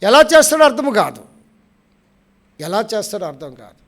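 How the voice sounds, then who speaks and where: A man preaching a sermon with a notably high-pitched voice. He repeats key phrases and puts questions to the congregation. His delivery drops to soft, low lines, then rises loud and forceful. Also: very animated, moderate pace. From India. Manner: swings between soft low phrases and loud raised ones. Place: prayer house.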